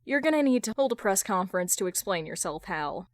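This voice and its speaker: A woman voicing a sharp, judgmental businesswoman with a blunt, sarcastic, deadpan delivery in an audio fan-fiction drama. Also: medium pitch, a little fast, dry recording, natural voice. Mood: exasperated, stern.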